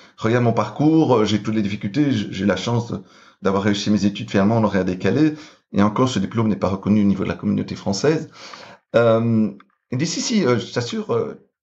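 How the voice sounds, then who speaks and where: Speaking at a very fast pace, a man with a slight Belgian accent uses a fairly low pitch and ordinary pitch variation. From Belgium. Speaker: financier, former banker. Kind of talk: podcast interview answer.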